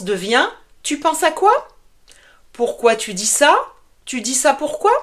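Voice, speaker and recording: A woman teacher giving a scripted lesson, explaining and demonstrating with clear, deliberate delivery. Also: fairly high pitch. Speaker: French teacher.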